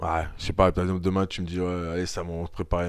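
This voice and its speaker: At a fairly quick pace, a man speaks. His pitch is very deep and low. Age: 30s. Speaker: jiu-jitsu competitor. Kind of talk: casual chat. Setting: home dojo. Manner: animated.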